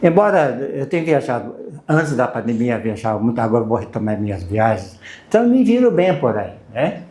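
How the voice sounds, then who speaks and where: Halting older man, roomy echo. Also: medium pitch, big pitch swings, warm tone. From Brazil. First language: Japanese. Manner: halting, searching for words. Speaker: guest, university lecturer and language student. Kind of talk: casual conversational interview. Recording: roomy, echoing voice recording.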